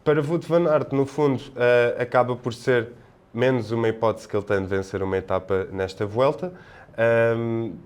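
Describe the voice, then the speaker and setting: A man with a European Portuguese accent giving casual sports analysis as a podcast panelist, in a halting, discursive manner. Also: mid-range voice, steady tone, a little mellow, clean tone.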